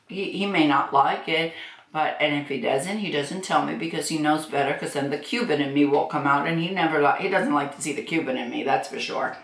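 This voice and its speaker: A woman in her sixties with a low, fairly bright voice chats casually on her beauty vlog, reading and answering viewer comments. She laughs often and talks frankly, and the room has an echo.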